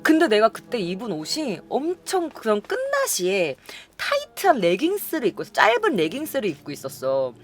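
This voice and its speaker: A young woman casually telling viewers about her dreams in a chatty, lively way. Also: on the high side, moderate pace, few pauses. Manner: chatty, lively, acts out quoted lines.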